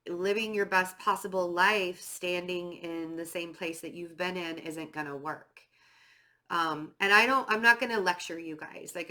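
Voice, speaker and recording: Congested from a cold, a tarot reader talks to the camera in a lowish, pushed, bright voice with a slightly nasal quality. Her reading is casual and chatty, loaded with fillers like "um" and "like," and she admits to feeling nervous and fidgety.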